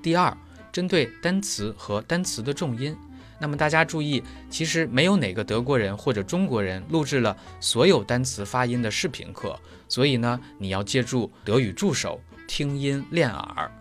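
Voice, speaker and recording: A man teaching German pronunciation in a methodical lesson, laying out each point step by step with homely analogies. His voice sits at a middle pitch but moves with a lively, wide-ranging melody. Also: moderate pace, faint music behind. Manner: explains step by step with everyday analogies. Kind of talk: explanatory lesson.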